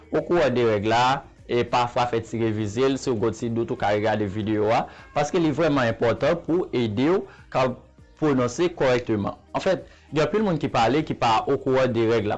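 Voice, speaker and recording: Haitian man teaching slowly, repeating words. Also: mid-range voice, a little mellow, lo-fi sound. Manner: patient, repetitive, checks in with "Ok?" and repeats words slowly. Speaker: Spanish teacher. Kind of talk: spoken language lesson.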